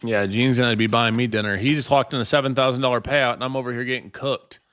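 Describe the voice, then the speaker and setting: A man's voice: mid-range voice, fairly even intonation, fast talker, fairly bright tone, clear, resonant tone. A man in his late twenties chatting casually with his live-stream viewers while trading, teasing them and laughing often. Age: 20s.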